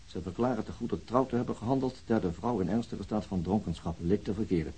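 Very raspy, dark-voiced official. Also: male voice, fairly low pitch, fast. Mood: dry, official. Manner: formal, matter-of-fact. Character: dry official reading out case notes. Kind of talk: formal scripted reading in radio drama.

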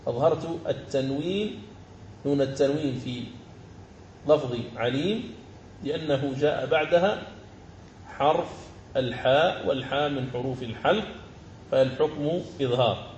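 A man teaching the rules of Quran recitation, explaining each rule and then slowly chanting verse examples. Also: mid-range voice, a little mellow, echoey room, a little hiss or hum. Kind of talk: tajweed lesson with chanted examples.

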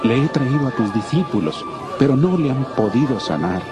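Male actor, desperate begging father, medium pitch, pleading delivery, audio Bible drama, loud musical backing. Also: sing-song, normal speed, over loud music, natural voice. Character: desperate father kneeling to beg mercy for his son.

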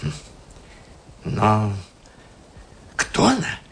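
Flustered, self-important husband, animated delivery. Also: male voice, fairly low pitch, drawn-out words, vocal fry, a little hiss or hum, exaggerated voice. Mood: musing, intrigued. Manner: muttering to himself, hesitant, exclaiming, theatrical. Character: self-important, flustered middle-aged married man at his dacha. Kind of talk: radio play acting. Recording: radio play with music underneath.

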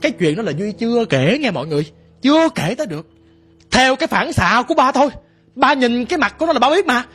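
A man's voice: very high voice, very animated, quick pace, fairly bright tone, slightly rough, faint music behind. A man telling a ghost story in a dramatic, vivid way.

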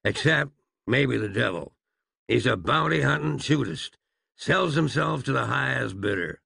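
A man's voice: medium pitch, expressive, unhurried, vocal fry, sharp tone, breathy edge, no room sound, studio quality, pitched above the performer's own voice, full character voice. A man voicing a cautious, loyal Old West gunman who speaks earnestly in a plain frontier drawl.

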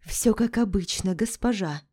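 A crafty young maid soothes her mistress in short, curt phrases, as a woman reading a storybook puts her on. She sits a little higher than the narration, with a dark, warm timbre. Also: normal speed, lightly acted. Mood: soothing. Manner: hushed, curt reassurance.

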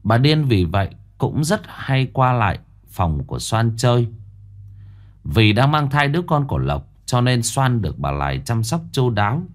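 A man narrating a ghost story in an expressive storytelling manner. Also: medium pitch, normal speed.

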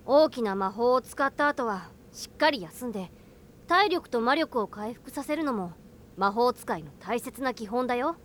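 A woman voicing a gentle, studious young boy mage in a Japanese anime audio drama, earnest and a little teacherly. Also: a little high, animated, moderate pace, slight background noise, close to an everyday voice. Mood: gentle, caring. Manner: soft-spoken, earnest, teacherly.

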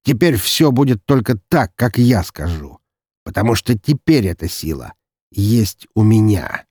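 Male reader as a cruel young nobleman, lazy, mocking, threatening, raised voice, husky, dry audiobook sound. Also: on the low side, very animated, a little slow, mellow, dry recording, voice pushed up, heavily acted. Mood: menacing.

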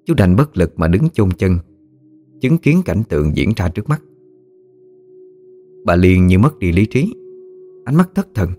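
A man narrating a scripted ghost story in a steady storytelling manner. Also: low voice, a little slow, pauses often, faint music behind.

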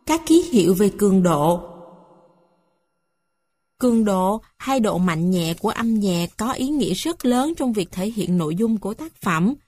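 A woman reading a music theory textbook aloud in a slow, measured, list-like way. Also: medium pitch, darkish tone, no room sound, studio quality. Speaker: textbook reader.

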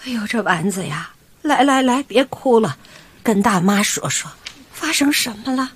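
A woman's voice: on the high side, lively intonation, normal speed, slightly rough. An actress playing a chatty, doting old grandmother with a Beijing accent in a radio drama over background music. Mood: soothing. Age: older.

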